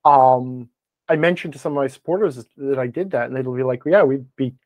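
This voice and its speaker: A man's voice: medium pitch, fairly quick, darkish tone, no room sound. A man talking casually as a podcast guest, rambling along and quoting himself with self-deprecating humor. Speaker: podcast guest, game advice blogger. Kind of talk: casual conversational interview talk.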